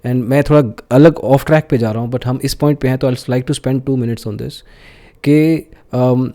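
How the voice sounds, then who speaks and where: Mellow-voiced reflective podcast host man. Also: medium pitch. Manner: reflective, thinks aloud, mixes in English phrases. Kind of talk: casual interview talk.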